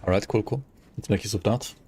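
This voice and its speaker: A man streaming a game, chatting loosely in a relaxed, rambling way with lots of filler words. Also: fairly low pitch, fast, slight background noise. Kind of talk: casual gameplay commentary.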